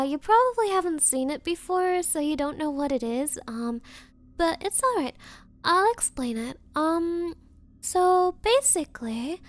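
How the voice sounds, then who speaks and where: High-pitched bratty rich yandere girlfriend acted by a woman. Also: no echo. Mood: smug, condescending, then sweetly possessive. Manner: condescending, teasing, faux-sweet, drawn-out valley-girl phrasing. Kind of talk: ASMR roleplay, anime-style girlfriend audio.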